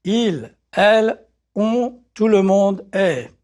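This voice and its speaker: A speaker giving slow, carefully articulated French words and drills for learners to repeat. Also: medium pitch, animated, a little mellow. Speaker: French pronunciation model speaker. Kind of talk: slow drilled language-lesson prompts.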